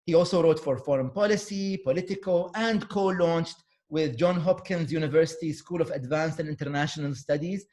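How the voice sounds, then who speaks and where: Man, host of a video-call talk, somewhat high voice, relaxed, halting delivery with fillers, computer mic. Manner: relaxed, halting with fillers, mixes in Arabic words. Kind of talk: online panel talk, hosting over video call.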